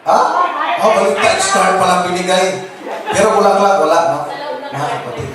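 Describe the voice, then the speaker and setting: Over loud music, a man with a high voice preaches at normal speed in a very echoey church, recorded noisily from a distance. His sermon is funny, full of jokes with the crowd, frequent laughter, English words, and repeated address to brothers and sisters.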